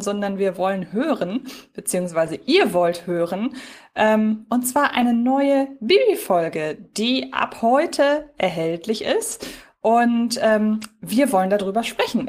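A woman hosting a podcast from home, talking in a wordy, conversational, explanatory way. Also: medium pitch. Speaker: podcast host. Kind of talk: conversational fan podcast discussion. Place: at home, on a remote link.

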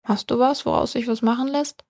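A woman voicing a lonely old woman who mutters and scolds herself in an audiobook story, in a slightly lower, creaky voice. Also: fairly even intonation, brisk, darkish tone, no echo, studio quality. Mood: muttering. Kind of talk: audiobook reading.

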